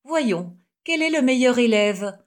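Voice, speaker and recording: A woman reading the lines of a warm, jovial middle-aged male doctor in an audiobook, cordial and effusive. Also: on the high side, lively intonation, a little slow, pitched above the performer's own voice. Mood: cheerful.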